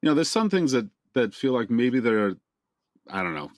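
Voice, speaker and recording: A man hosting an interview over a video call, relaxed and joking as he asks long questions. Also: medium pitch, normal speed, dry recording, studio quality. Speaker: interview host. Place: home office in Boston. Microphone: camera on a video call.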